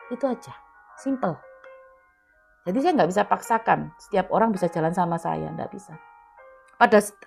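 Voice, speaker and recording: A woman's voice: mid-range voice, vocal fry. A woman preacher giving an emphatic sermon at an online prayer meeting. She repeats key words and acts out quoted dialogue. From Indonesia.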